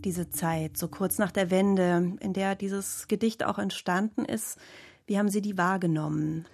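Mellow-voiced woman host. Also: medium pitch, fairly even intonation, a little slow, gravelly, faint music behind. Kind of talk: radio interview and scripted narration.

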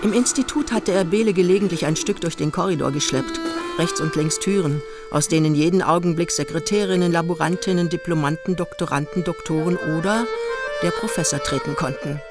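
An actress playing a dry, observant storyteller in a literary radio play, narrating in a measured, matter-of-fact way. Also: female voice, on the low side, natural voice. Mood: measured, listing. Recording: music behind the voice.

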